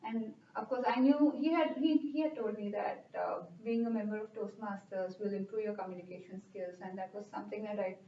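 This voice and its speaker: A woman in her thirties from India with an Indian accent, earnestly answering interview questions at a careful, steady pace. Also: medium pitch, a little fast, few pauses, slight background noise. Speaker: club member interviewee. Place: club meeting room. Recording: roomy, distant, dull sound.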